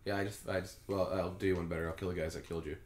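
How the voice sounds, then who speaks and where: A young man with a low, deep voice chats through a shooter game with a friend. He is sardonic and swears easily, and his voice sounds roomy and echoey. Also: flat delivery, racing, darkish tone. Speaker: gamer in co-op play. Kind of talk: casual gaming chat.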